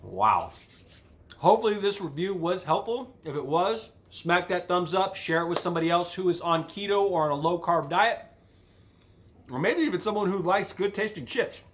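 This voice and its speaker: A man with a slightly high voice talks through a casual product review as the host. He chats informally to viewers while tasting crunchy chips. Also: normal speed, fairly bright tone, a little hiss or hum.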